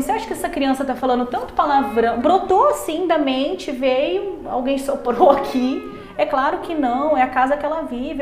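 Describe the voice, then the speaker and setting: A high-voiced woman psychologist talks bluntly and with energy, acting out the parents and patients she quotes. Her voice rings in a roomy space, and faint guitar music plays underneath. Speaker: psychologist guest. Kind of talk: casual podcast chat. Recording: roomy echo.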